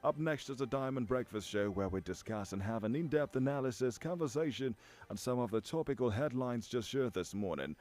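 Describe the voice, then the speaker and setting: A man's voice: medium pitch, animated, a little fast, a little mellow. A man with a Nigerian accent reading headlines and presenting on the radio as a host. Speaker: newsreader and radio show host. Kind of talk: scripted radio news bulletin and presenting.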